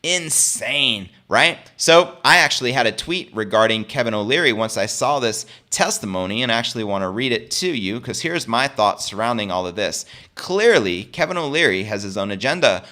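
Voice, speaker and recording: A man's voice: on the low side, sing-song, normal speed, hardly any pauses, sharp tone. A man hosting a cryptocurrency news show, giving informal opinionated commentary in an emphatic, slangy way. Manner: emphatic, slangy, poses rhetorical questions to listeners.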